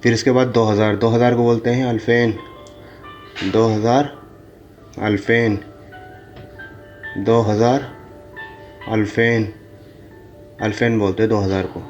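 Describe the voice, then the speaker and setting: Male teacher, very slow and patient, repeats drills, muffled sound with faint music behind. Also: on the low side, flat delivery, darkish tone. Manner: repeats each number several times, correcting the book. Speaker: Arabic teacher. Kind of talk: slow repetitive lesson.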